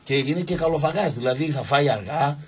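A man's voice: on the high side, a little hiss or hum. A man telling comic anecdotes on a radio show, acting out voices in his stories. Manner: animated, acts out voices in anecdotes. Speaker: radio show guest storyteller. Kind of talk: casual comic storytelling. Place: radio studio.

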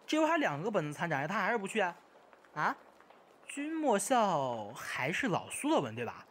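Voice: medium pitch, huge pitch swings, fairly bright tone, slight background noise. A performer in an amateur radio drama playing a hyperactive young male gamer who chatters, repeats words and badgers indignantly. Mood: pestering. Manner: rapid-fire, repetitive, badgering.

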